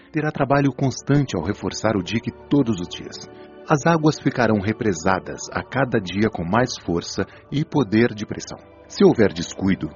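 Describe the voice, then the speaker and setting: Male actor for wise spirit mentor in audio drama; deep-leaning, didactic, patient; lo-fi sound with music behind. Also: a little mellow, close to an everyday voice. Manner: didactic, measured, solemn explanation. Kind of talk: audiobook radio drama acting. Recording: dull lo-fi audio over music.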